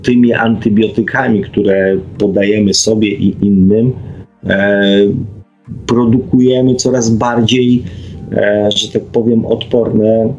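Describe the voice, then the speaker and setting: This middle-aged Polish radio host has a lowish, slightly mellow voice with a steady tone and slow pace, heard on a muffled recording with faint music behind. He reflects aloud without a script and reads listeners' comments, hesitating and often finishing phrases with a questioning tag.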